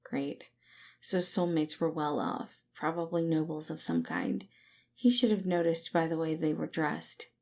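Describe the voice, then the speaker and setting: Lower-pitched woman narrating a story. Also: steady tone, unhurried, vocal fry, darkish tone.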